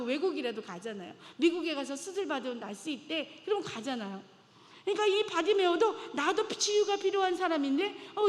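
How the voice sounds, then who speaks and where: A woman delivers a sermon with a high voice, retelling a Bible story with dramatic flair. Her speech rings with the long reverb of a church sanctuary. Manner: dramatic, acts out biblical voices. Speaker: preacher.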